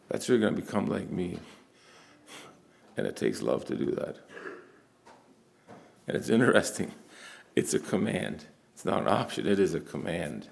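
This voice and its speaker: A man's voice: low-pitched, gravelly. A man preaching a conversational sermon, rising in force when he quotes scripture.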